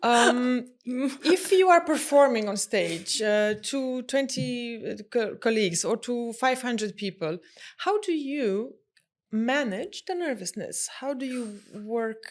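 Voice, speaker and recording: A woman public speaking coach hosting a podcast, asking measured questions and murmuring along as she listens. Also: a little high, animated. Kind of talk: podcast interview.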